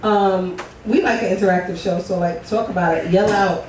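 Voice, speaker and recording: A woman with a New York accent co-hosting a casual talk show, loud and laughing, often talking over the others. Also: mid-range voice, fairly even intonation, normal speed, heavy reverb, far from the mic, a little hiss or hum, poor audio. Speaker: co-host. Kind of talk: casual studio banter. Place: studio.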